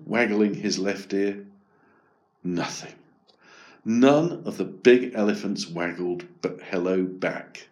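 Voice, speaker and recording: A man narrating a children's story aloud. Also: lowish voice. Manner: slow, expressive storytelling.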